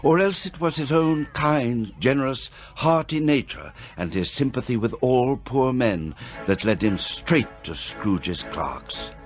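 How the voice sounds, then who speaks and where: A man's voice: medium pitch, very animated, a little slow, few pauses, soft background music. A man narrating a radio drama as a theatrical storyteller, relishing each descriptive phrase.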